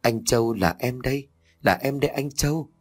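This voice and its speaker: A man's voice: medium pitch, moderate pace, soft background music, voice pushed up, lightly acted. A man voicing a possessed young man who barks threats and wails. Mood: eerie. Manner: gruff, barking, threatening. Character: possessed young man, menacing, rude and hungry.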